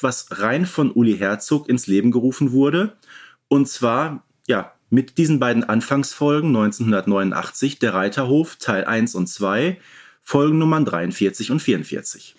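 A man talks as a podcast co-host at a medium pitch. He gives detailed explanations in a relaxed conversational style, like informed commentary between friends. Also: normal speed. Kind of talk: casual, informed commentary on audio play series.

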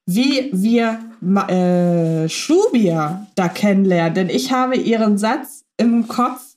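A woman's voice: medium pitch, animated, takes it slowly, darkish tone. A woman co-hosting a fan podcast in casual chat, thoughtful, checking her notes and correcting herself. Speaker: podcast co-host.

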